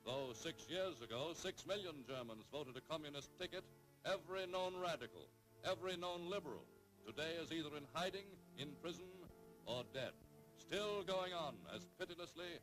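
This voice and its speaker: A man narrating an old 1930s newsreel in a dramatic, emphatic announcer's delivery with measured pauses. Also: a little high, low-quality recording.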